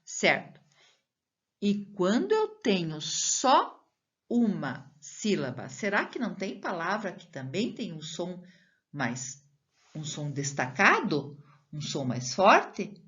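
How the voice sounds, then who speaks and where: A Brazilian woman teacher speaks slowly and patiently in a fairly low voice that rises and falls a great deal as she leads children through a recorded lesson. She draws out each syllable and keeps checking in with the pupil. The recording sounds a little dull and lo-fi. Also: huge pitch swings, a bit bright. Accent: Brazilian Portuguese. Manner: slow, patient explaining with drawn-out syllables and frequent questions to the pupil.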